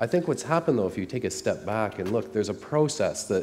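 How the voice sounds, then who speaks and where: This man's dark, mellow tone comes through with vocal fry. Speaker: cybersecurity researcher; panelist. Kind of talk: panel discussion. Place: stage. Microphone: headset.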